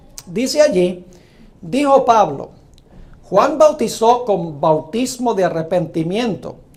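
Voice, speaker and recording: A man's intonation is lively. Audible room echo hangs around his words. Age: 60s. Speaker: pastor. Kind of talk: sermon.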